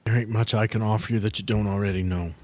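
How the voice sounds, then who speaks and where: A man voicing a weary, injured man with a halting, folksy manner in a tabletop roleplay. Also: fairly low pitch, fairly even intonation, darkish tone, close to an everyday voice. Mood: resigned.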